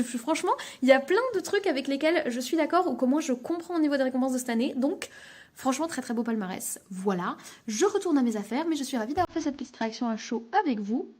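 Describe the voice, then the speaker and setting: A woman giving casual, opinionated and emphatic reaction commentary as a film vlogger. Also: a little high.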